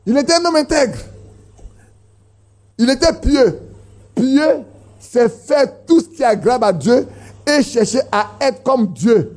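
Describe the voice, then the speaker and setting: Man, husky, mellow, emphatic preaching. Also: expressive, a little slow, pauses often. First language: an Ivorian language. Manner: emphatic, rising in pitch to stress points, repeats phrases. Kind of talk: sermon.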